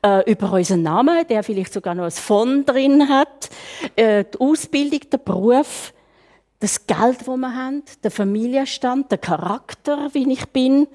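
Older woman, Swiss German accent, preacher, bright and lively pitch, chatty sermon. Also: normal speed. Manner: lively, conversational, with rhetorical questions.

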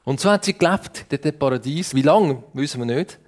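Brief: male children's preacher, Swiss German accent, slightly raised voice, animated storytelling with questions to the kids. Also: on the high side, brisk. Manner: playful, asks the audience questions. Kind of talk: lively storytelling sermon for children.

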